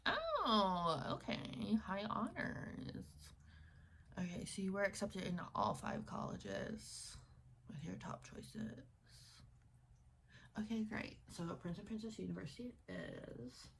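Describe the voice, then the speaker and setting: A woman softly role-playing a friendly, easygoing student advisor in an ASMR style, casual and halting, with some whispering. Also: mid-range voice, vocal fry, heavily acted. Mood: friendly, attentive. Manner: casual, unhurried, halting with trailing pauses. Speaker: ASMR roleplayer. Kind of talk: ASMR roleplay, soft-spoken with some whispering. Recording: faint noise, keyboard typing and clicking. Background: typing, tapping and clicking sounds.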